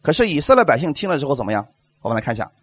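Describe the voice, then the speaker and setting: A man's voice: on the high side, big pitch swings, rapid-fire, fairly bright tone, husky, no echo. A male pastor delivering a sermon, emphatic, asking the congregation rhetorical questions and acting out quotes.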